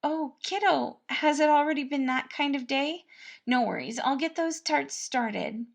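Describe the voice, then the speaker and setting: Woman acting kindly young man, palace cook, high lifted pitch, creaky edges, bubbly, hesitant, earnest, storybook dialogue. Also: a little slow. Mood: cheerful, soothing. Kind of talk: acted dialogue in fan-fiction audiobook.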